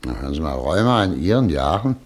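An actor playing a composed, brisk professor of medicine, courteous but guarded, in a German radio play. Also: male voice, extremely low pitch, big pitch swings, exaggerated voice.

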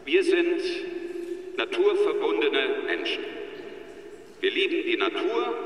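A man's voice: mid-range voice, a bit bright. An actor playing a solemn spokesman of a hunters' association, giving a formal declamatory speech to a church congregation. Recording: echoey church hall, distant, background noise.

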